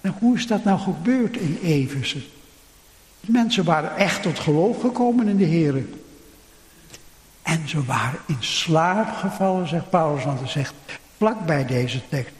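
A man's voice: a little high, expressive, a little slow. A man preaching a sermon in a solemn, rhetorical manner, using questions and repetition. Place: large church, indoors. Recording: echoey church hall, long reverb.

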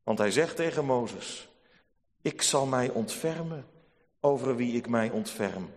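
Slow solemn Dutch preacher man. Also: medium pitch, lively intonation, a little mellow. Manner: solemn, measured preaching with rising emphatic peaks. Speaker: pastor. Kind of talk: sermon. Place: church. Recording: long church reverb.

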